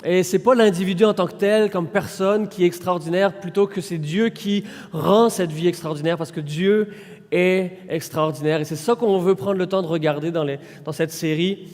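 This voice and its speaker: A man in his thirties from France with a French accent, a pastor giving an informal, conversational sermon introduction with frequent pauses. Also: sits high, fairly even intonation, darkish tone. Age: 30s. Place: church hall. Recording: long reverb of a church hall.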